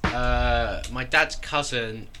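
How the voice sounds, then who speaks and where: A man's voice: mid-range voice, extremely slow, loud music behind the voice. A British teenage boy answering his friends' questions tersely. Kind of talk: casual chat with friends.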